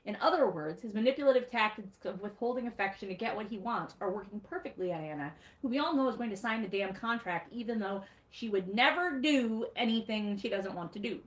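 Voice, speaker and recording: A woman's voice: mid-range voice, lively intonation, brisk, hardly any pauses, reverberant, rough recording. A woman with a Michigan accent reading her own snarky book recap aloud on a livestream, wry and sarcastic, with laughs at her own jokes.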